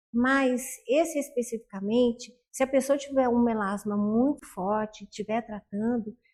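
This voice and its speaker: In a dark, mellow tone, the voice moves at a fairly slow pace with fairly even intonation. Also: woman. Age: 70s. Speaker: dermatology doctor. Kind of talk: interview. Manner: halting, many fillers.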